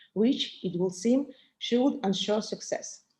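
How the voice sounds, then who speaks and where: Her pitch is fairly high, and this woman talks at a moderate pace with ordinary pitch variation. Her dark, mellow tone is somewhat breathy. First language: French. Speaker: conference presenter. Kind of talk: academic presentation. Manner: halting.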